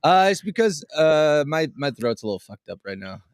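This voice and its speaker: A man's voice: fairly high pitch, very animated, normal speed, clean tone, no echo, studio quality. A man co-hosting a comedic podcast chat with a robotic, metallic-sounding voice and a hammy, showman-style delivery. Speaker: co-host.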